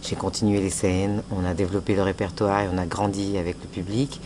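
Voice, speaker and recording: A singer recounting how her career began in an interview clip, calm and with fillers. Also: very deep voice, fairly quick. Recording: noisy field recording.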